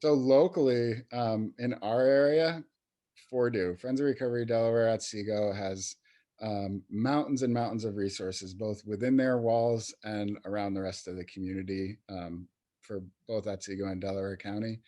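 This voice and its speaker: A man's voice: fairly low pitch, fairly even intonation, normal speed, dark tone. A man speaking as a guest in a podcast interview, talking in a casual, hesitant way with many fillers and restarts. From New York State, USA. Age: adult in recovery, peer professional. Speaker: youth recovery program coordinator, guest.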